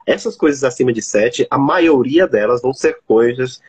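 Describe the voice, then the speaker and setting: A man's voice: mid-range voice, lively intonation, normal speed, darkish tone, slightly rough. A Brazilian man with a Brazilian Portuguese accent, chatting animatedly on a live stream and often restarting his sentences. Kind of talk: casual live chat.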